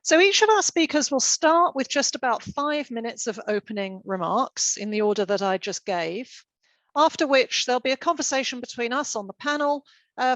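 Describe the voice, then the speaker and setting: A woman's voice: on the high side, fairly bright tone, dry recording, poor audio. A woman chairing an online panel event, giving formal, orderly introductions over a video call.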